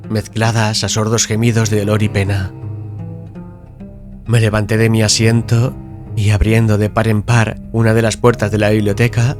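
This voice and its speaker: A man reads a gothic horror audiobook in a solemn, dramatic manner, phrasing deliberately with pauses. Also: on the low side. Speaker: audiobook narrator. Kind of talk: dramatic scripted narration of a gothic horror tale. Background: music.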